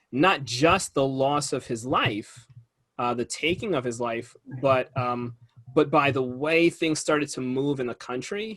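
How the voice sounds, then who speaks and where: A man speaks in an unremarkable speaking voice, with a medium pitch, a moderate pace and ordinary pitch variation. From New Jersey. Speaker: elementary school teacher and poet. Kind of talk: interview answer.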